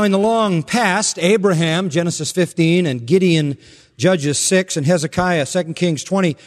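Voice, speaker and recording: A male pastor preaching an expository sermon, emphatic and citing scripture references in quick lists. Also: a little high. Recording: long reverb in a church hall.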